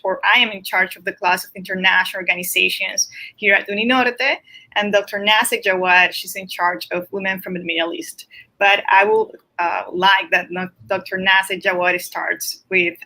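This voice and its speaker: A woman's voice: mid-range voice, steady tone, moderate pace, sharp tone, low-quality recording. A woman assistant professor from Colombia presenting on an online panel, a little flustered, with many "uh" fillers.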